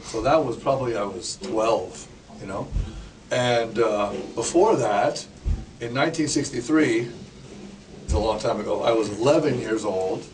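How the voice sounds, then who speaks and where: A man's voice: medium pitch, a little slow. A Canadian man in his sixties, a drummer and educator, telling stories in a casual interview with small jokes. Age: 60s. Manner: relaxed storyteller, sings snippets, jokes. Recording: distant mic with clear background noise.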